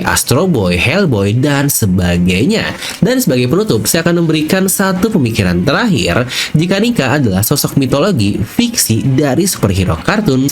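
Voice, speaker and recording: A man's voice: medium pitch, slight background noise. An Indonesian man hosting an anime theory video, chatty and playful as he narrates with casual slang and talks straight to viewers. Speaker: YouTube channel host.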